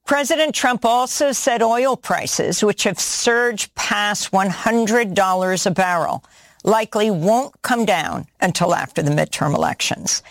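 A woman anchoring a news broadcast, reading scripted headlines in a steady, even-toned way. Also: mid-range voice, a little slow, slight background noise. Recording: dry studio voice.

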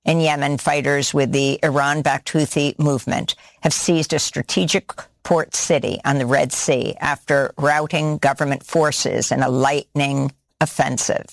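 A woman anchoring a news broadcast, reading scripted headlines in a steady, even-toned way. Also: low voice, a little slow, vocal fry, hardly any pauses, no echo. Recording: dry studio voice.

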